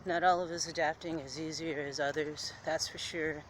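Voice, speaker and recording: A man's voice: a little high, flat delivery, normal speed, fairly bright tone. A man chatting casually while walking outdoors, rambling with restarts and a bit out of breath. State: slightly out of breath. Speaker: vlogger. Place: outdoors on streets near an air base. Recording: noisy outdoor street with traffic. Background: traffic and urban ambience.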